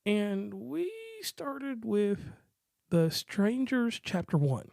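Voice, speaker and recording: A man's voice: sits high, expressive, drawn-out words, creaky, darkish tone, no echo, studio quality. An American man hosting a movie review podcast in casual, slangy chat, rambling and joking as he goes. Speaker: podcast host.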